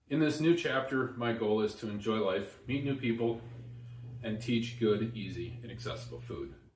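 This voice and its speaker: The voice is somewhat breathy, with a Wisconsin accent and ordinary pitch variation. Room echo is audible. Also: man. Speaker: home cook. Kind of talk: self-introduction. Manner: halting.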